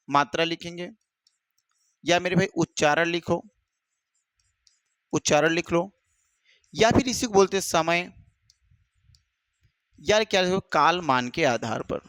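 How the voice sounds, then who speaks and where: A male teacher giving an exam-prep lesson, dictating notes slowly with many repeats and calling students brother. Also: sits high, fairly bright tone, smooth, no room sound.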